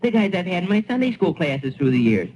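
A man's voice: high-pitched, big pitch swings, fairly quick, darkish tone. A man playing a self-satisfied, pondering small-town American family man in a 1940s radio play. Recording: dull, hissy vintage radio recording.

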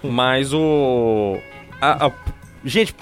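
A man's voice: mid-range voice, drawn-out words, soft background music. A man co-hosting a podcast, explaining and teasing in casual chat. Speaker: podcast co-host.

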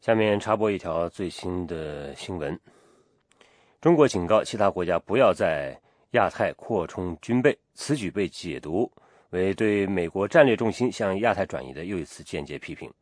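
Deep-voiced man reading breaking news. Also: lively intonation, normal speed, dry recording, studio quality. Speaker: radio news anchor. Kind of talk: breaking news bulletin read in a radio newscast.

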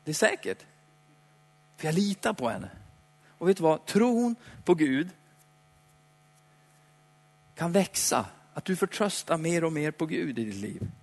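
A man preaching a sermon in a chatty, playful way, slowing down for dramatic emphasis. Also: fairly high pitch, sing-song. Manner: conversational, dramatic slowdowns, playful asides. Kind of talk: lively sermon. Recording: hall reverb.

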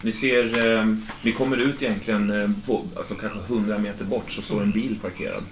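A man narrating a tabletop game as game master, casual and halting with many fillers. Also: on the low side, steady tone. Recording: roomy with background noise.

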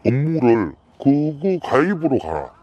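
Anonymous male informant, deep modulated disguise voice, husky, lively in pitch, hesitant testimony. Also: highs cut off. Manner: halting, repeats words, speaks with force. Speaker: anonymous informant, former employee. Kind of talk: recorded interview testimony.

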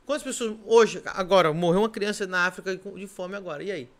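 Speaking a little fast in a high-pitched voice, this Brazilian pastor delivers an emphatic podcast sermon. He repeats his points and rapid-fires rhetorical questions, all in a Brazilian Portuguese accent.

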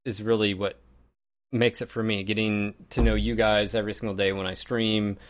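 A man who streams, co-hosting a casual gaming show in a relaxed, loose way. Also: on the low side, normal speed. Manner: relaxed, loose, says like a lot. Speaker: streamer and co-host. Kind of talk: casual chat.

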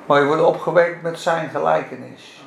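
A man's voice: on the high side, fairly even intonation, moderate pace, creaky, a little hiss or hum. A man preaching a fervent, emphatic sermon, repeating his phrases for force. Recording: echoey room with faint ambience.

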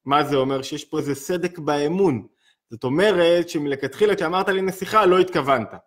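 A middle-aged man, giving an animated spoken lesson on Hasidic thought that rises and falls as he teaches. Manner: animated, rising and falling in pitch and loudness.

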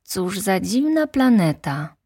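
A woman's voice: mid-range voice, big pitch swings, slow, warm tone, husky, no echo, clean studio sound, voice pushed up, full character voice. Little Prince, a woman voicing a lonely boy. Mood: earnest, wondering. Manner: earnest, wondering, plaintive. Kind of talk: storybook reading.

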